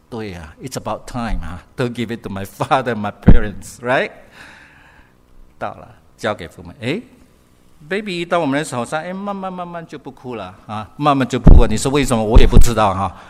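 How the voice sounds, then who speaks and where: Older man, sermon, lively rising and falling voice, long reverb of a hall. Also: fairly high pitch. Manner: lively, asks the congregation questions, repeats words. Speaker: pastor.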